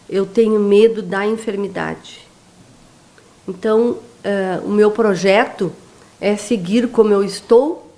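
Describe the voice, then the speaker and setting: This woman has a medium-pitched voice with a dark, mellow tone. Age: 60s. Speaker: businesswoman, clothing shop owner. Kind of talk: interview.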